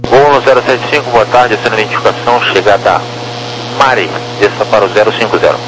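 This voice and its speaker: A man's voice: fairly low pitch, fast talker. A Brazilian man working as an air traffic controller, giving clipped instructions digit by digit over a radio like police dispatch. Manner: reads numbers digit by digit. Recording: noisy radio channel with electrical hum.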